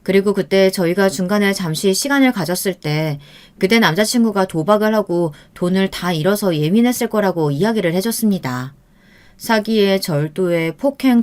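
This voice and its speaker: A woman narrating a true-life story in the first person, in a steady, earnest scripted reading. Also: medium pitch.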